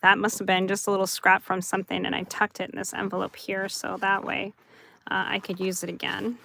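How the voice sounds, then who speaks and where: A woman hosting a live craft chat, soft and chatty, who often laughs and talks about her dry mouth. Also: mid-range voice, monotone, fairly quick, creaky, a little hiss or hum, rough recording. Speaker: craft livestream host.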